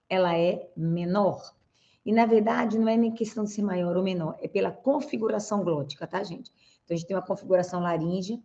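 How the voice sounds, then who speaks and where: A Brazilian speech therapist and host explaining voice basics to viewers, step by step and in a teaching tone. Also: female voice, lowish voice, mellow, dull audio. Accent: Brazilian Portuguese. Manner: didactic, explains step by step with frequent "né?" and "tá, gente?". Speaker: speech therapist and communication coach. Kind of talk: answering viewer questions on camera.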